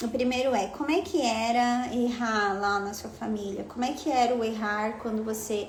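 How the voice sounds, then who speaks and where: A woman with a fairly high pitch speaks at a fairly slow pace and fairly even intonation, with audible room echo. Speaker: family constellation facilitator. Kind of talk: live stream Q&A talk. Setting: live stream.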